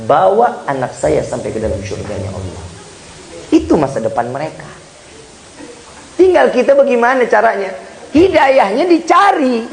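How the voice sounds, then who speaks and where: A male preacher giving a humorous sermon, speaking straight to the congregation with loud bursts and hushed asides. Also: very high voice, poor audio. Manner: jokey, animated, swings between loud and hushed; addresses listeners directly as Pak and Bu.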